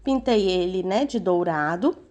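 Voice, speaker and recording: A woman's voice: on the low side, animated, unhurried, darkish tone. A woman teaching cake decorating in a casual voice-over, slightly nasal from a cold, checking in with her viewers after almost every sentence. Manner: chatty, frequent "tá?" and "né" check-ins.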